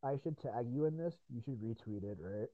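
Tired, rambling podcast host on a tinny line. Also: male voice, medium pitch, animated, fairly quick, dry recording. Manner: profane, rambling, laughs often. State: tired voice after hours of talking. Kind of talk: casual podcast chat.

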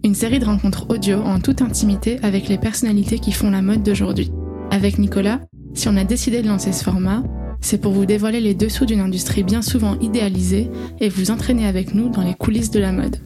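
A woman's voice: medium pitch, fairly even intonation, a little fast, music in the background. A woman hosting, reading a polished scripted introduction with emphatic delivery. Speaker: podcast host.

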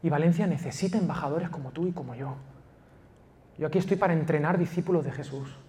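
A man from Spain preaching a passionate sermon as pastor of a church, swinging from loud emphasis to quiet intimacy. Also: a little high, quick pace. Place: church in Valencia.

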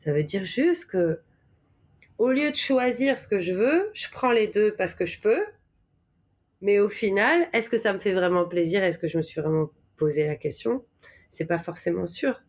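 A woman's voice: medium pitch, expressive, normal speed. A woman from Normandy with a French accent, talking reflectively as a podcast guest, searching for her words and stressing key ones. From Normandy, France. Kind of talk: reflective conversational interview.

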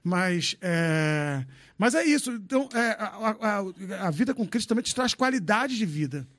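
A man's voice: high voice, sing-song, moderate pace, a bit bright. A man in his fifties from Brazil, talking loosely and frankly on a podcast, joking and swearing as he tells his story. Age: 50s. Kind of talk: casual podcast chat.

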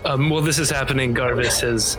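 A man playing a tabletop game who narrates his character's actions in a giggly, halting way. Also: medium pitch, fairly even intonation, music in the background. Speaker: player.

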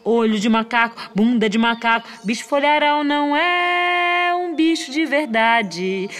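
A woman's voice: high-pitched, fairly bright tone. A woman doing a taunting trickster monkey. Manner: taunting, sing-song teasing. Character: sly boastful male monkey trickster.

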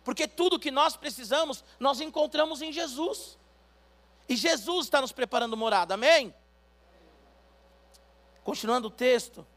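High-voiced Brazilian pastor preaching. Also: male voice, normal speed. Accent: Brazilian Portuguese. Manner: preaching, building to loud emphatic calls for congregation response. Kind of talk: sermon.

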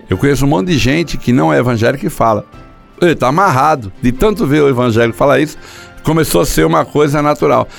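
Delivering a sermon, this older pastor spins stories and performs the dialogue in changing voices. His voice is medium-pitched and creaky.

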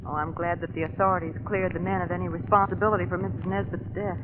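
A woman's voice: on the low side, level tone, very fast, natural voice. An actress playing a witty, worldly lady companion in old radio drama, with a wry, breezy manner. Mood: wry, relieved. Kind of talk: 1930s radio drama acting. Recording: tinny, noisy vintage radio.

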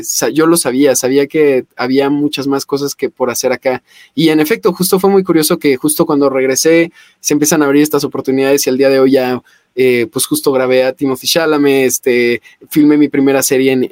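A man's voice: medium pitch, a little mellow, no room sound, clean studio sound. A young adult man, a voice actor talking as a podcast guest in an eager, rambling way full of fillers and restarts. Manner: enthusiastic, many fillers and restarts. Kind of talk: casual podcast interview.

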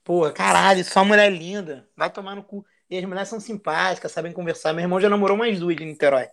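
A man's voice: high voice, fast talker, vocal fry, fairly bright tone. A man, a podcast guest talking in a crude, slangy, boisterous way. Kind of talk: casual chat.

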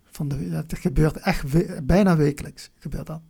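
Husky, creaky, halting southern Dutch voice. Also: mid-range voice, warm tone. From Venlo, Limburg, Netherlands. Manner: halting, searching, repeats words. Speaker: interview guest. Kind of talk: personal interview, reflective.

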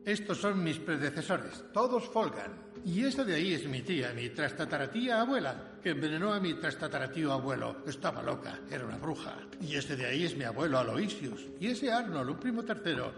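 A man's voice: on the high side, very animated, a little fast, gravelly, few pauses. An older man playing an eccentric, theatrical aristocrat who rambles, in a film dub. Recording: film soundtrack with music under.

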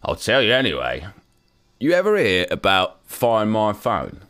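A man voicing a friendly yet forceful Cockney paparazzo in his late forties, in a read-aloud story. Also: fairly low pitch, wildly swooping pitch, unhurried, pitched above the performer's own voice, full character voice.

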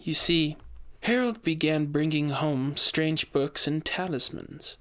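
A man's voice: fairly high pitch, animated, slow, a bit bright, voice pushed up, exaggerated voice. A man reading a storybook, voicing an anxious widow who pleads for help with an urgent manner. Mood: pleading.

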